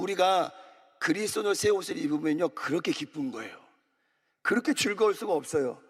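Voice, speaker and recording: Korean pastor preaching in a reverberant hall. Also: male voice, high voice. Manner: exhorting, calls for amen and repetition. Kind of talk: early morning sermon. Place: large church sanctuary. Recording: long church hall reverb.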